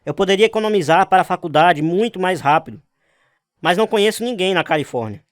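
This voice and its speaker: A man's voice: high voice, expressive, quick pace, no echo, studio quality. A man playing an earnest young Christian, narrating his testimony sincerely in a radio drama. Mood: earnest, wondering. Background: music.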